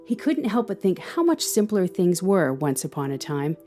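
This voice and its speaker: A woman narrates a story with a lively, expressive melody. Her voice is soft-edged and mellow at an average pitch, with faint music underneath. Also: moderate pace.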